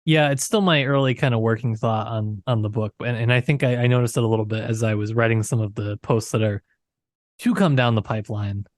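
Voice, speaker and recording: A man's voice: mid-range voice, a little fast, dry recording, clean studio sound. A man co-hosting a podcast in casual book discussion, often restarting his words in a hesitant way. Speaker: podcast co-host.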